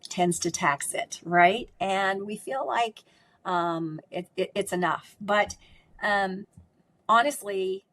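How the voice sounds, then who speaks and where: A middle-aged woman with a strong voice speaks at a medium pitch in an emphatic, conversational way. She often caps her points with a quick "right?" as she explains her work. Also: fairly bright tone. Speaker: speech pathologist and course instructor. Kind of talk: conversational interview answers.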